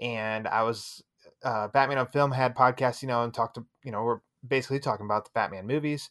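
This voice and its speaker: This man has an unremarkable speaking voice at medium pitch, with fairly even intonation and a dry, close sound with no echo against a quiet background. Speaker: podcast host. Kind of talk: casual chat.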